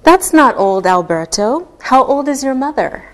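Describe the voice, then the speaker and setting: A woman teaching English to a class, speaking slowly and clearly and explaining each point patiently, step by step. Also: high-pitched, big pitch swings. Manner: patient, deliberate, spells things out step by step.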